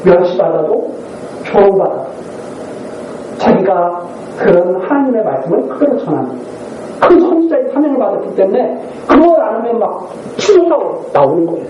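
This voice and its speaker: A man preaching an evening sermon as pastor, reading scripture and then explaining it with lively acted asides. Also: high-pitched, highs cut off, noisy background. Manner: reads scripture then explains it, acting out voices in quick asides. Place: church sanctuary.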